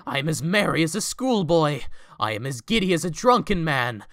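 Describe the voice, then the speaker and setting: A man's voice: on the high side, big pitch swings, moderate pace, a bit bright, no echo, clean studio sound. A man playing a giddy, generous reformed rich man in an audio drama, exclaiming in formal old-fashioned phrases. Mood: elated. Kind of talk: fan audio drama acting.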